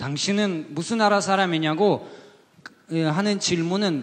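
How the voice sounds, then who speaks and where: A man speaks with a French accent and ordinary pitch variation. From Ukraine, born in Czechia, French-speaking home. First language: French (speaking Korean). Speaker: evangelist. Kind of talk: testimony. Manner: casual, humorous storytelling with fillers.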